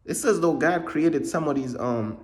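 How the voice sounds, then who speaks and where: A man's voice: fairly high pitch, normal speed. A young man from Uganda, a Christian vlogger talking in a casual, slang-heavy monologue, repeating himself and saying bro a lot. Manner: slangy, repetitive, peppers speech with bro.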